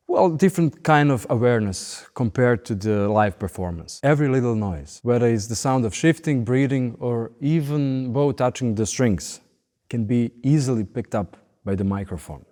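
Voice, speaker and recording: A man in his late thirties speaks English with a Serbian accent at a middle pitch. He talks in measured, deliberate phrases, as in an interview. Long reverb from a large hall surrounds his voice. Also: dark tone. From Belgrade, Serbia. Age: late 30s. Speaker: professional orchestral violinist being interviewed. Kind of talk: interview monologue.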